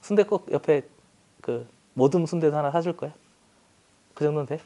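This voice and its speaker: A man's voice: a little high, normal speed, warm tone. A man teaching a math class, chatty and teasing, often asking the students for agreement. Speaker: math tutor. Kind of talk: classroom math lesson with banter.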